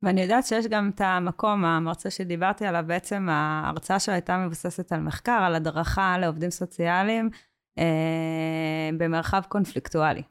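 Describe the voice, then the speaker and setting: A woman's voice: fairly low pitch, steady tone, smooth. A woman speaking as a guest in a podcast interview, talking hesitantly with many filler sounds and restarts. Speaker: community worker, guest.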